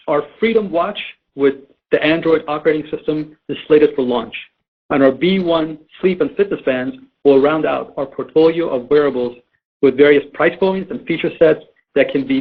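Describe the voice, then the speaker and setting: Husky man on a narrow phone line. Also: fairly high pitch, normal speed. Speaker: company chief executive. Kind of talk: scripted earnings call presentation. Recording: muffled, tinny phone conference line.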